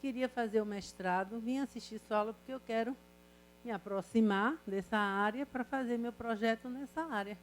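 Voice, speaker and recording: An older woman, a university professor, lectures her class at a normal pace, drifting from advice into personal stories. Her voice is slightly high, and she often checks in with students through rhetorical questions. There's a little background noise.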